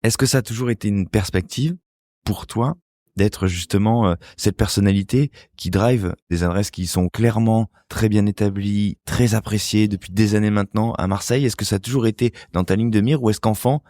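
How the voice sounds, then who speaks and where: A man hosting a podcast, reading an emphatic, lively intro and then interviewing his guest. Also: on the low side, moderate pace, no echo, clean studio sound. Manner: lively, emphatic narration rising on key words. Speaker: podcast host.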